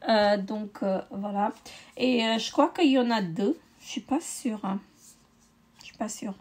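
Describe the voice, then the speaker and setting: A woman's voice: mid-range voice, measured pace, a little mellow. A middle-aged woman, tired, chatting casually with many hesitations in a beauty haul video. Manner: hesitant, many euh fillers. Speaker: beauty vlogger.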